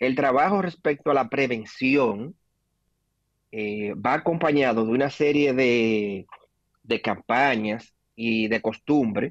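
At a very slow pace with ordinary pitch variation, the speech sounds dry and close with no echo over a quiet background. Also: man. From Dominican Republic. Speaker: oncologist. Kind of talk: interview.

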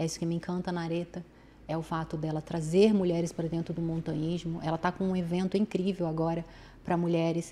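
The delivery is very fast and monotone, with flat intonation. A dark, mellow tone sits over light background noise. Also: woman, fairly low pitch for a woman. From Brazil, rural Rio de Janeiro state (Teresópolis area); Rio de Janeiro state, Brazil. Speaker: mountaineer and social media influencer; social media influencer. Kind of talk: podcast interview. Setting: studio. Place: studio. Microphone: studio mic.

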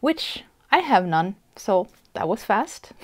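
The setting behind her is quiet. A woman talks with lively intonation. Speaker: stitching vlogger. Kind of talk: casual vlog chat. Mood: warm, cheerful. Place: home room. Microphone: lapel.

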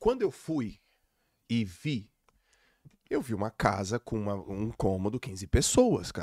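Dark, mellow tone from a man, dry with no echo, over a quiet background. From Brazil, Santos (São Paulo state); São Paulo state, Brazil. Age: 40s. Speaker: podcast host. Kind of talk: casual interview. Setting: studio. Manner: animated. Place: studio. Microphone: studio mic.

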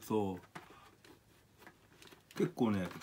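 A man speaks over light background noise. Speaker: video creator. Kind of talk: casual vlog chat. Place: home room. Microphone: phone near.

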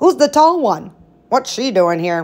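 In a put-on character voice, the speaker uses a fairly high pitch with very wide swings, moving at a fairly slow pace. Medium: read story. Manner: blunt, argumentative.

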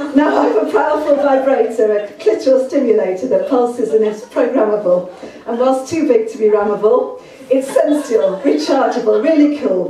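A woman's high-pitched voice with lively intonation at a moderate pace, light background noise and audible room echo. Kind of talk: poetry performance. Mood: playful, humorous. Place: stage. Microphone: camera far.

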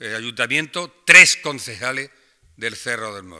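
A bright, sharp tone comes through at a fairly slow pace with ordinary pitch variation over a quiet background. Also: man. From Andalusia, Cádiz province (Medina Sidonia); Andalusia, Spain. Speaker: award recipient, former ombudsman and priest; priest. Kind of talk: formal acceptance speech. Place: hall. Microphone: podium.

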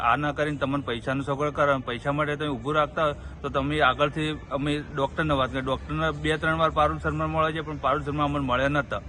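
Over noticeable background noise, a man talks in monotone, flat intonation. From Gujarat, Patan area village. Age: 30s. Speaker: NGO worker, whistleblower. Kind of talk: news interview statement.

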